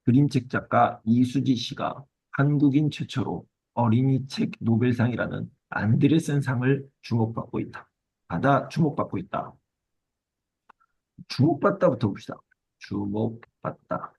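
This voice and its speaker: A man's voice: medium pitch, normal speed, vocal fry, darkish tone, breathy edge, no echo, low-quality recording. A man teaching a Korean exam-prep lesson, explaining step by step, repeating key words and asking check questions.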